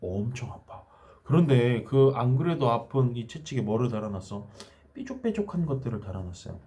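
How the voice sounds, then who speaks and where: A man's voice: medium pitch, very animated, a little fast, dark tone. A man preaching a children's sermon, telling the story and asking the children questions as he goes. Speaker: children's pastor.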